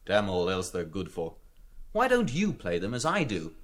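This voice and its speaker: Man acting a young Irish man, mocking, flamboyant, swooping lively pitch, declaiming, audiobook character. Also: normal speed. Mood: coarse, exasperated. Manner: declaiming, mock-solemn, swooping between banter and chant.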